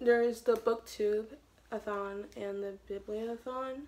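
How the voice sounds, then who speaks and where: A soft-spoken woman talks at a very slow pace with a fairly high pitch. Her intonation is fairly even. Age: young. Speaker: book vlogger. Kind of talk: casual talk to camera. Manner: soft-spoken, quiet.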